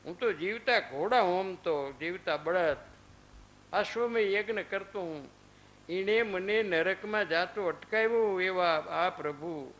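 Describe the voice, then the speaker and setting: A man's voice: high voice, a little slow, fairly bright tone, poor audio. A man in his fifties giving a religious discourse at an ashram, telling stories with quoted dialogue and rhetorical questions. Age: 50s. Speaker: spiritual discourse speaker. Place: ashram hall.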